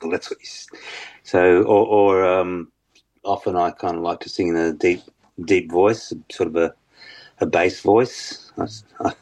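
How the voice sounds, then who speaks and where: A man with a very low bass voice, talking hesitantly as a musician guest in an interview, with many fillers and restarts. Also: steady tone, unhurried, a little mellow, poor audio. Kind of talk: casual interview chat.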